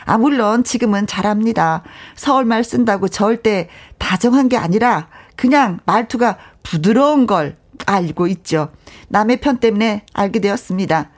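A woman's voice: mid-range voice, animated, moderate pace. A middle-aged woman hosting a radio show, chatting casually, laughing often and reading out listener messages. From parents from Gyeongsang. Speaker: radio host.

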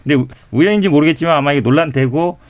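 A man's voice: on the high side, rapid-fire, dry recording, lo-fi sound. A man who is a party spokesman, giving a defensive, conversational rebuttal in a political talk show debate.

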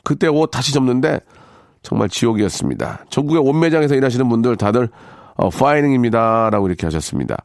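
A man's voice: medium pitch, animated, fast talker, a little mellow, no room sound, studio quality. A man hosting a radio show, reading out listener messages and commenting on them in a polite, conversational, rambling way. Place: radio studio.

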